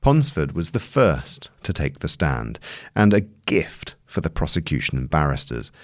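Very deep-voiced man narrating. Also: very animated, a little slow, no room sound, clean studio sound. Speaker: narrator reading a long-form news article. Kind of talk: scripted narration, audio long read.

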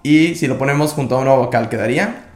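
A man teaching a language lesson, calmly explaining each sound step by step. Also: mid-range voice, fast talker, soft background music. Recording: echoey room.

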